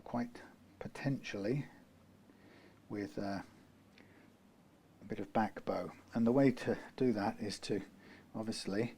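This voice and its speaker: Man from the UK, low voice, rambling workshop tutor with dry humour, faint background ambience. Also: takes it slowly, dark tone, a little hiss or hum. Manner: rambling, self-correcting, dry asides. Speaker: guitar repair tutor. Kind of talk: workshop how-to narration.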